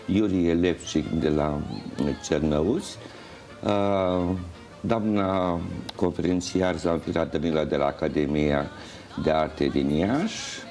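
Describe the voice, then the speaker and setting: A man in his sixties, a folk festival organizer and juror, is a guest on an interview in an indoor TV studio, with music playing behind him. His voice is low and a little mellow, and he explains things in a halting, measured way, pausing mid-phrase.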